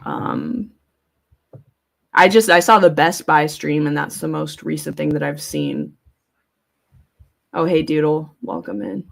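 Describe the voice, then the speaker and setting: A woman's voice: deep voice, wildly swooping pitch, slow pace, gravelly, pauses often. A woman hosting a casual livestream, rambling and thinking aloud in a blunt, informal way and swearing freely. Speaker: live streamer, host. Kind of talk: casual livestream chat, commentary, reading viewer comments aloud.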